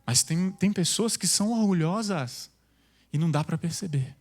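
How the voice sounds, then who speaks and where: A male pastor preaching a sermon, intense and loud, with casual slang. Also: high voice, lively intonation, moderate pace. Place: church.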